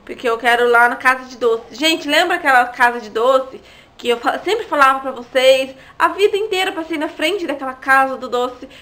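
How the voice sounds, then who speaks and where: A chatty young woman talks straight to her viewers in a casual vlog. Her voice sits high and bright, and she keeps tossing in little tag questions and asides as she goes. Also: moderate pace. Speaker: vlogger. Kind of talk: casual chat to camera.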